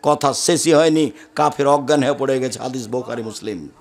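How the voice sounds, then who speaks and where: A man preaching a sermon who speaks hard and forcefully, with emphatic rhetorical questions. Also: medium pitch, a little fast, creaky. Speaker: Islamic preacher. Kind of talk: Bengali waz sermon.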